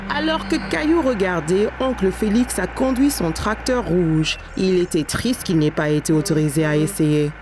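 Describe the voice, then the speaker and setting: A woman's voice: on the low side, moderate pace, few pauses, music in the background. A woman narrator reading a scripted children's story expressively, as if to small children.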